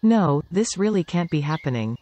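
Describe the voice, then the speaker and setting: A man's voice: a little high, very animated, moderate pace, heavy background noise. A man voicing a scheming AI ferret villain. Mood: menacing. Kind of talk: hobby audio play acting.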